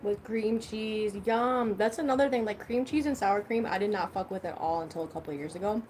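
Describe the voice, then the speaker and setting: A woman's voice: mid-range voice, fairly quick, a little mellow, slight background noise. A young woman hosting a casual livestream, chatting loosely and swearing freely while she eats. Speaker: livestream host.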